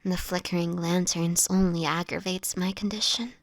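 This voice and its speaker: A woman playing a sickly, homeless vampire in an intimate audio roleplay, speaking softly and haltingly, often in a whisper, with formal old-fashioned wording and gentle melancholy. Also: fairly low pitch, steady tone, no room sound, lightly acted. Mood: sorrowful, weary. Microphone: close microphone, dry.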